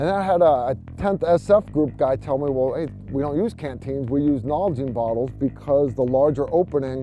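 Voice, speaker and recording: Music plays in the background as a man speaks with an American accent at a moderate pace. His pitch is fairly high, with ordinary variation. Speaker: survival instructor, army veteran. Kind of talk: outdoor tutorial. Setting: outdoors by a river in snow.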